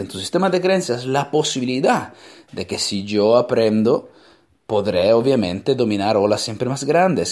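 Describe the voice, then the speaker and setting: A man's voice: mid-range voice, darkish tone. A man with an Italian accent, a native Italian speaker, giving an emphatic motivational talk full of rhetorical questions.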